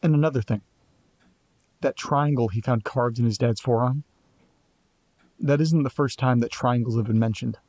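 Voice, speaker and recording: A man's voice: mid-range voice, normal speed, pauses often, darkish tone, no echo, natural voice. Man doing a troubled young man, insistent, dry close sound, audio drama. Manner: insistent, searching. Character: troubled young man doubting his father.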